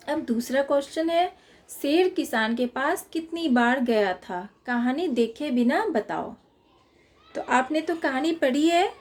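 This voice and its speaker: Lady teacher with a high voice, talks really slow, reads the questions and dictates answers for little kids. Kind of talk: workbook lesson for young children.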